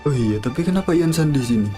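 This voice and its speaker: Streamer chattering over gameplay. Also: male voice, a little high, expressive, rapid-fire, mellow, faint music behind. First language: Indonesian. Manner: offhand, joking running commentary. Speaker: game streamer. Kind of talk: casual live-stream chatter.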